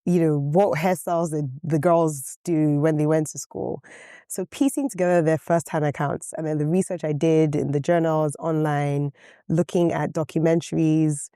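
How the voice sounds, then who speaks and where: Woman author with Yoruba as first language, low warm voice, dry close sound, articulate, says "you know" a lot. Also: fairly even intonation, moderate pace, clear, resonant tone, no echo. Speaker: author being interviewed. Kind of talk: conversational interview.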